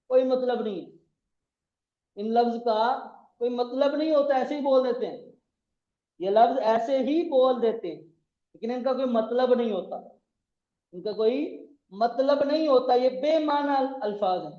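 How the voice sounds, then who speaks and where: A man with a Pakistani Urdu accent and a very high-pitched, darkish voice teaches Arabic grammar in class. Repetitive by habit, he repeats terms and spells words out letter by letter, recorded in an echoey room with dull lo-fi sound.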